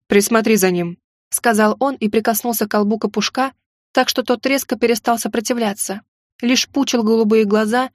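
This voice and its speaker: Woman narrating a lively ironic audiobook. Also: on the high side, no echo. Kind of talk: first-person audiobook narration. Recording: dry close recording.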